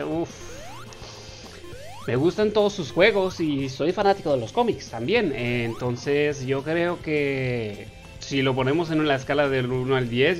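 A Mexican man in his twenties with a Mexican Spanish accent, casually answering viewer questions as a gaming YouTuber, playful, reading each question aloud in a raised voice. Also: medium pitch. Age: 20s. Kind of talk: casual Q&A voice-over over gameplay.

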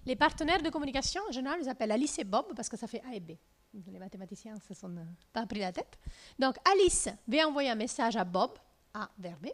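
A woman from southern Italy in her thirties with an Italian accent, giving a lively physics lecture in a lecture room through a handheld mic, with many fillers and restarts. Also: on the high side, fast talker. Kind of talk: lecture with slides.

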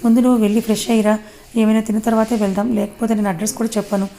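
A woman's voice: mid-range voice, little pitch movement, racing, mellow, lightly acted. A woman voicing a worried young man who scolds and pleads with his friend.

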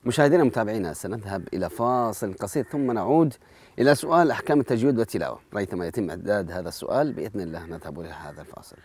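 A male TV host delivers formal links to the audience at a very fast pace. His voice sits low, and he praises the contestant and announces breaks. His tone is polished and courteous. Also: lively intonation, darkish tone, husky. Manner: formal and praising, addresses viewers directly. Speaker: TV show host. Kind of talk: formal broadcast presenting.

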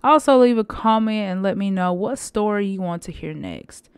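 A woman reading a children's story aloud with expressive, deliberate phrasing. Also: mid-range voice, clean tone, dry recording.

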